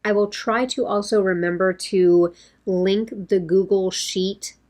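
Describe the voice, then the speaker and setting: A woman in her thirties, slightly hoarse, chatting casually to camera in a rambling way from her home makeup room. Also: medium pitch, fairly even intonation, slow, a little mellow. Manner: rambling, talks with her hands. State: a bit hoarse, losing her voice. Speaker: beauty vlogger.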